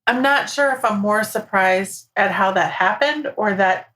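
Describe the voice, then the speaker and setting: A woman's voice: medium pitch, measured pace, a bit bright, low-quality recording. A woman in her forties hosting a casual podcast interview, asking friendly, curious questions with dry little asides. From New York, USA. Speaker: podcast host.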